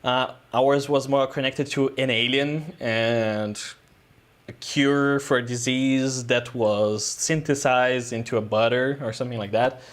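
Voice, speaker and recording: A man's voice: medium pitch, steady tone, unhurried. A man, a guest filmmaker telling a story in a casual interview, rambling loosely with lots of "uh" and "um". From Brazil.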